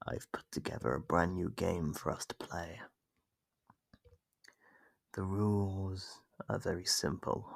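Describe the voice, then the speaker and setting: A man playing a sadistic monster in an ASMR horror roleplay, taunting captive prey with mock politeness in a gravelly, husky, whispery-edged voice, close to the microphone. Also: low-pitched, no room sound, heavily acted. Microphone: close, dry microphone.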